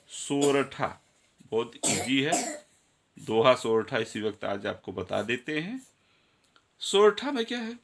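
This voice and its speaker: A man's voice: medium pitch, a bit bright. A male teacher giving a grammar lesson, counting syllables aloud and speaking directly to his students.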